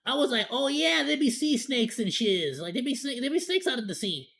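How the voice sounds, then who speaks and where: A woman's voice: sits high, very animated, fairly quick, fairly bright tone. A woman streamer giving casual live reaction commentary, talking in an informal, joking, slangy way with some mild swearing.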